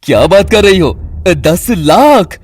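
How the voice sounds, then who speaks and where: A man voicing a joking, easygoing older father-in-law in an animated family cartoon. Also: high-pitched, slow, slightly rough, exaggerated voice. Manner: teasing, wisecracking.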